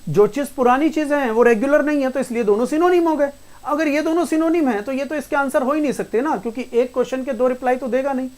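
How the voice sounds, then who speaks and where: A man runs a live online class on English words, and his voice sits high. He repeats each point several times, asks the students questions and answers them himself. He speaks to his students affectionately as "beta". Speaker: English teacher.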